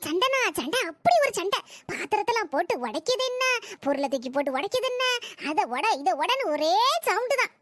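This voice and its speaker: A woman's voice: extremely high pitch, very animated, a little fast, slight background noise. A woman voicing a scheming neighbor who spreads gossip, in a cartoon comedy. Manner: breathless storytelling gossip.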